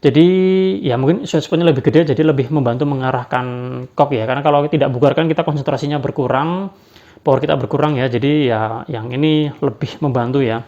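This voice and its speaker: A man's voice: mid-range voice, fairly quick, warm tone. A man giving a casual spoken product review, hesitant, with many fillers and tag questions. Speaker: badminton racket reviewer. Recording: dull lo-fi sound.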